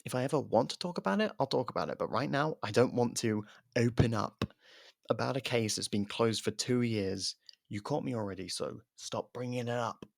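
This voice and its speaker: Casting: male actor for a sarcastic, guarded convict murderer in ASMR audio drama; very gravelly, close dry sound, needling and foul-mouthed. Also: medium pitch, lively intonation, fairly quick, no echo. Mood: irritated, defensive.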